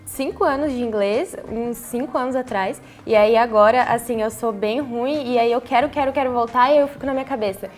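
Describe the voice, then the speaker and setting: Woman, podcast co-host, chatty, slightly high pitch. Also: fairly quick, hardly any pauses, faint music behind. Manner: chatty, conversational, thinking aloud. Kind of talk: casual podcast conversation.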